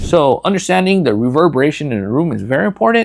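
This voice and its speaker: Over a very clean recording with a silent background, a man talks at a fairly quick pace with lively intonation. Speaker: audio/video production instructor. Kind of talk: tutorial. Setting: small tiled restroom, reverberant; outdoors by a freeway. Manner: casual, conversational; loud. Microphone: strong room echo.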